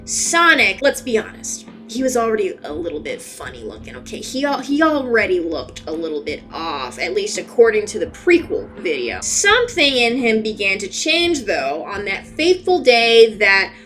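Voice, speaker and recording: A woman's voice: medium pitch, big pitch swings, moderate pace, few pauses, fairly bright tone, soft background music. A woman narrating a video in a casual, sarcastic way, moving between scripted recap and informal, sweary commentary.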